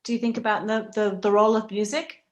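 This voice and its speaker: A woman's voice: medium pitch, level tone, fast talker. A woman moderating a panel conversationally, with a chatty and encouraging manner.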